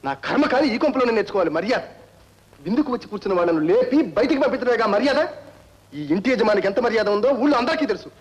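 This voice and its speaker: An actor playing a proud, angry young husband who speaks defiantly and sermonizes, with a husky voice in old film melodrama style. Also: male voice, high voice, animated, very fast, low-quality recording.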